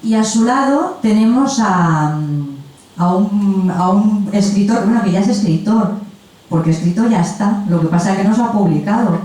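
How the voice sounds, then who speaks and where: A woman's voice: mid-range voice, normal speed, mellow. A woman moderating a literary panel, introducing guests in a chatty, effusive and informal way. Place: event room at a festival. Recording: echoey room, distant mic, faint noise.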